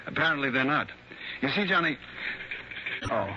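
A jovial insurance executive with a very bright, forceful edge to his chummy, knowing talk. The sound is muffled like an old radio broadcast, with a faint hiss behind. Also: medium pitch, lively intonation, moderate pace. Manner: chummy, knowing, leering asides. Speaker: insurance company man. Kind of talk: 1960s radio drama acting.

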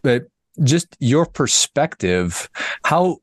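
A man's voice: medium pitch, sing-song, drawn-out words, no echo, studio quality. A man hosting a podcast interview, asking thoughtful questions with stammered starts. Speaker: podcast host. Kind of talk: casual interview.

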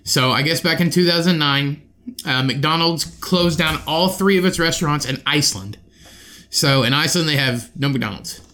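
A man's voice: on the high side, normal speed, pushed and bright, slight background noise. A man hosting a solo podcast, rambling and swearing in an offhand way, his nose a little congested. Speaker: podcast host.

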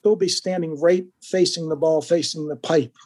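A man's voice: a little high, fairly even intonation, normal speed, a little mellow, breathy edge. Older man telling stories, rambling. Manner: rambling, with many restarts and fillers. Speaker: interview guest, former goalkeeper. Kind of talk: casual storytelling interview.

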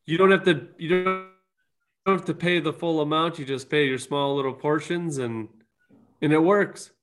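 A man's voice: fairly high pitch, fairly even intonation, moderate pace, a bit bright, faint music behind. A man co-hosting a casual interview over a video call, his audio glitching and cutting out on a poor connection. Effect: glitchy audio cutting out over a weak internet connection. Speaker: podcast co-host and builder.

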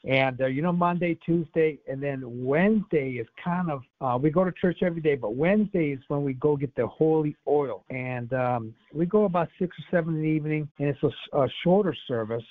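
A man's voice: on the high side, brisk, few pauses, no echo. A man whose first language is Greek, a radio guest talking casually and hesitantly, with many fillers and restarts. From United States. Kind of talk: casual interview talk. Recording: dry tinny phone-line audio.

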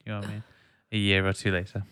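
A man's voice: lowish voice, completely flat delivery, racing, a bit bright, smooth, no echo, clean studio sound. A man hosting a podcast, chatting informally about music in a rambling way and often checking for agreement. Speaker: podcast host. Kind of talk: casual music discussion chat.

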